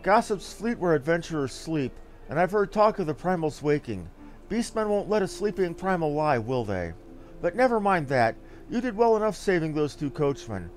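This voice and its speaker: A man's voice: a little high, sing-song, moderate pace, faint music behind. Man putting on a folksy, lilting quest giver. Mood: wry, fussing. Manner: folksy, colourful, teasing phrasing. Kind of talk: reading game dialogue aloud in character.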